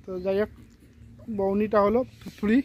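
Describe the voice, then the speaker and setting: High-voiced man fishing outdoors. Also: level tone, moderate pace. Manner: chatty, addresses viewers as friends, talks quietly at times. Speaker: fishing vlogger. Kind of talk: casual outdoor vlog narration. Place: outdoors by a rural pond.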